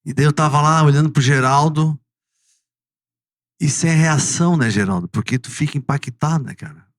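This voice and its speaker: A man's voice: fairly high pitch, normal speed. A man hosting an interview podcast, talking in a heartfelt, reflective way. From southern Brazil. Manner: heartfelt, reflective, often adds "né". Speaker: podcast host. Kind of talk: emotional interview chat.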